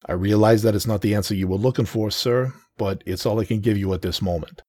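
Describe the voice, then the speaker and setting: A formal federal agent who briefs in a measured, guarded way, read by a male narrator. His voice is slightly raised above the narrator's low, husky tone, and the read is close and dry. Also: steady tone, darkish tone, no room sound, lightly acted.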